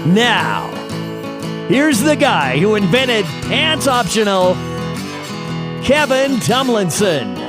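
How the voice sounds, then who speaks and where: A woman's voice: medium pitch, sing-song, slow pace, long pauses. A woman announcer reading a scripted podcast intro, with plucked guitar music behind the voice. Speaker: show announcer.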